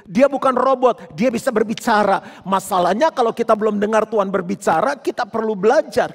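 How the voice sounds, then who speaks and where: High-voiced male pastor in an echoing hall. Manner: conversational, animated preaching with playful impressions. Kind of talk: sermon. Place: church hall. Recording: long church hall reverb.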